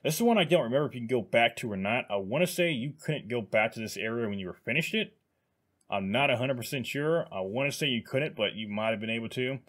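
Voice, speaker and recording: A man's voice: medium pitch, animated, fast, a bit bright. A man hosting his gaming channel, chatting casually with many fillers and restarts. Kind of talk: casual video commentary.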